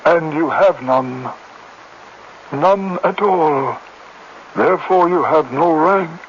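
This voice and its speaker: An actor playing a stern tribal elder and judge in a radio drama, speaking in a formal, pronouncing manner. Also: male voice, on the high side, takes it slowly. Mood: stern, pronouncing judgment. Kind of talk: 1970s radio drama acting. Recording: muffled, noisy old radio recording.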